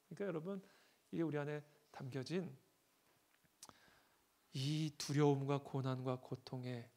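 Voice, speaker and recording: Man, pastor, high voice, gravelly, sermon delivery, hushed then shouting. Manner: swings from hushed asides to shouted scripture readings.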